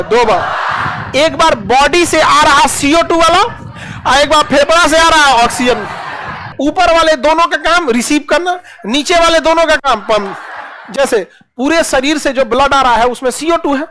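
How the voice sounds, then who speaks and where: A man's voice: very high-pitched, a little hiss or hum. A man teaching a class, firing questions and repeating answers in a call-and-response drill. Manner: animated, drills students with repeated questions and acted asides.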